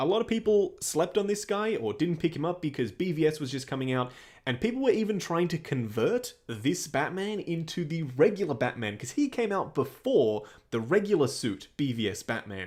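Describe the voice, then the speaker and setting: With very wide pitch swings, a man's fairly high voice is captured on a very clean recording against a silent background. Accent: Australian. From Australia. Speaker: toy collector YouTuber. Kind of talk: livestream Q&A reading chat comments. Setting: solo livestream at home setup. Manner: casual, hesitant with fillers.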